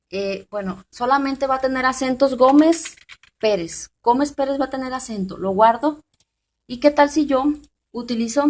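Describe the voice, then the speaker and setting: A woman hosting a programming tutorial, thinking aloud with fillers and asking the viewer questions. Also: on the high side. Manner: informal, thinks aloud with many fillers and restarts; addresses the viewer directly with questions. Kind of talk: screen-recorded software tutorial.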